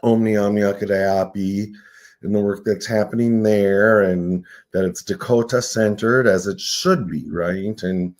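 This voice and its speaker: An older man talks in a mellow, somewhat low voice. He speaks as a guest on a radio talk show, reflective and earnest, often tagging his points with "right?". His tone is dark and relaxed rather than bright. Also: unhurried. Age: 60s. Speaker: nonprofit CEO, guest. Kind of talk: casual radio interview.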